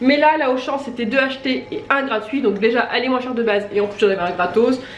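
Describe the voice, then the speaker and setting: A woman talks at a very fast pace in a high voice with ordinary pitch variation. Noticeable background noise and audible room echo surround her. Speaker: family vlogger. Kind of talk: casual vlog, grocery haul.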